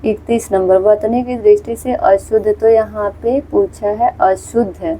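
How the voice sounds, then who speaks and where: A woman's voice: mid-range voice, fairly even intonation, a little slow, warm tone, a little hiss or hum, poor audio. A woman teaching a Hindi exam-prep lesson, patiently going through questions, repeating words and pointing viewers to the screen. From India.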